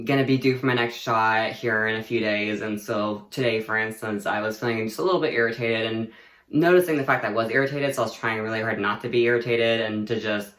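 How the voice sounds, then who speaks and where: A man's voice: medium pitch, fairly bright tone. A young man vlogging a casual personal update, rambling and chatty with lots of fillers and easy laughter. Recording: echoey room.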